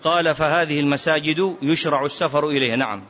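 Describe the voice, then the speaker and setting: A man leads a religious lesson in a mosque, his voice a touch high and emphatic. He chants some phrases and fires off rhetorical questions. The recording is dull and muffled. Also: fast talker, fairly bright tone, a little hiss or hum. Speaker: religious teacher. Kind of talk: mosque lesson explaining hadith.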